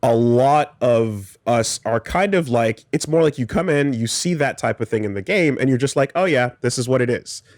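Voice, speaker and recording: A man with a mid-range voice talks in a measured, thoughtful way and often pauses to find his words. He is a guest on a casual panel discussion, and the recording is dry and close. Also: medium pitch, lively intonation, no echo.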